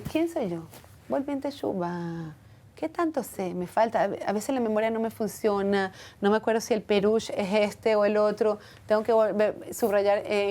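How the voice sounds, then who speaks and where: This interview guest has a mellow, medium-pitched voice and talks in an earnest, reflective way about personal matters. She is from outside Israel, and her Hebrew carries a foreign accent.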